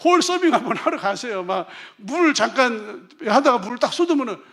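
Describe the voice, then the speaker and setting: A middle-aged male pastor preaching a sermon, swinging between soft asides and loud, emphatic declarations. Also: very high-pitched, expressive, moderate pace.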